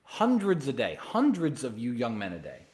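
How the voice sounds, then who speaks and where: A man hosting a casual solo livestream, answering viewer questions directly and pitching emphatically. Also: wildly swooping pitch, normal speed, darkish tone. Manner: direct, addresses viewers by name.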